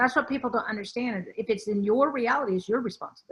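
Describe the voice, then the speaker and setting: A fairly high-pitched woman's voice with an American accent. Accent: southern, comes out when playful. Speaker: spiritual teacher. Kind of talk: spiritual group talk. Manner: animated.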